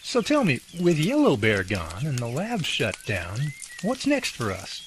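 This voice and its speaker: A man's voice: medium pitch, huge pitch swings, measured pace, a little hiss or hum. A man playing a sceptical, easily discouraged research sidekick in an amateur drama, with a wry way of talking. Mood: worried.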